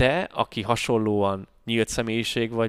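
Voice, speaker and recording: A man with an unremarkable speaking voice, fairly low in pitch, at a fairly slow pace with fairly even intonation, in a dry, close sound with no echo. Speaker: portrait photographer. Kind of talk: casual interview. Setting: photo studio.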